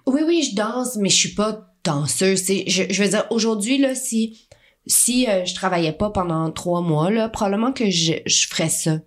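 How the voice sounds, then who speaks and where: A woman's voice: mid-range voice, normal speed. A Québécois actress in her thirties, chatting earnestly in an interview and repeating words as she thinks. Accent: Québécois French. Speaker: actress, podcast guest. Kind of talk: casual interview chat.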